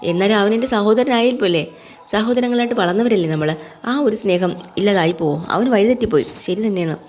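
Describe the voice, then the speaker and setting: A woman's voice: mid-range voice, fast, darkish tone, slight background noise, close to an everyday voice. A woman voicing a young wife torn between anger at her wayward brother and love for him, pleading and weary.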